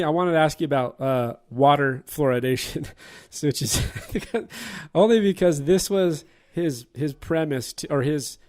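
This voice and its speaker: Man chatting about a film. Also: mid-range voice. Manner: laughs while retelling scenes. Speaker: podcast host. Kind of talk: casual movie podcast chat.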